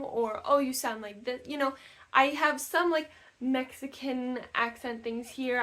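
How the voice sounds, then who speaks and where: A woman's voice: a little high, a bit bright. A young woman vlogging casually about learning languages, speaking in a chatty way with frequent fillers and restarts. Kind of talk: casual talk to camera. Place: new house, room not yet decorated.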